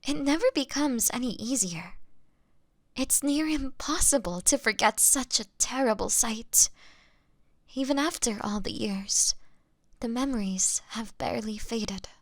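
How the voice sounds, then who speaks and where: A woman playing a gentle young female vampire in an audio roleplay, apologetic and halting, with a breathy voice that often drops to a whisper. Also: on the high side, dry recording. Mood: sorrowful, haunted. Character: gentle young female vampire, remorseful, fighting her bloodlust. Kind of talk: scripted dramatic audio roleplay monologue.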